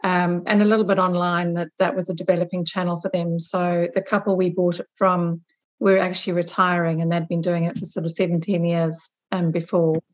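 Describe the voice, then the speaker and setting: A middle-aged woman from Zimbabwe with a fairly low voice speaks as a guest in an interview. She is a business owner giving conversational answers about herself and her work. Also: level tone, fairly quick.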